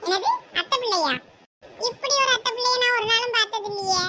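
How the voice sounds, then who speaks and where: A voice actor playing a lazy, grumpy young man in a cartoon, grumbling and sarcastic, with a squeaky sped-up voice. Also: brisk, sharp tone, a little hiss or hum. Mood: puzzled. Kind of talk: cartoon voice acting.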